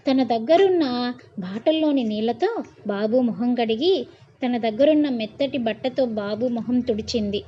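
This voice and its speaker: A woman narrating a bedtime story in a colloquial way. She pauses often to re-explain lines in casual asides. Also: fairly high pitch, muffled recording, slight background noise. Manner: reads, then retells and explains in casual asides.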